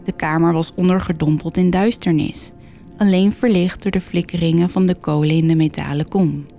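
Female horror narrator, low and mellow, steady storytelling. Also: normal speed, gravelly, faint music behind.

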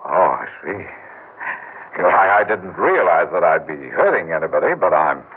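An actor playing a polite, mild-mannered scientist who stammers and gets flustered, in a 1940s-style radio drama. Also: male voice, sits low, sing-song, moderate pace, breathy edge, exaggerated voice. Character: mild-mannered male scientist doctor, eager and easily flustered. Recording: tinny old radio recording.

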